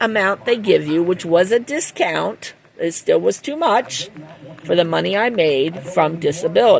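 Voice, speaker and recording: Amid noticeable background noise, a woman speaks in an animated tone at a fairly slow pace, her pitch swinging very widely. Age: 60s. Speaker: vlogger. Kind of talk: personal vlog monologue.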